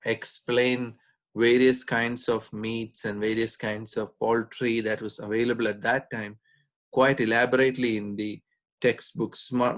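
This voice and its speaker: A man giving an informal explanatory talk as a doctor, speaking in a measured, hesitant way with frequent pauses. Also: on the low side.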